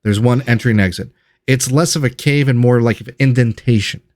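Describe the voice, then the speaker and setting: A man's voice: medium pitch, brisk, a little mellow, dry recording. A man narrating as game master of a tabletop game, describing scenes in a loose, self-correcting way.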